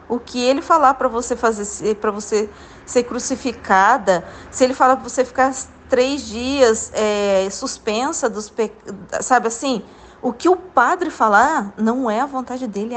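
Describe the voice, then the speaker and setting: Brazilian woman as a Catholic channel host, highish voice, earnest, repetitive testimony. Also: a bit bright, poor audio. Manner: earnest, repetitive, full of asides asking if listeners follow. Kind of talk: casual spiritual testimony.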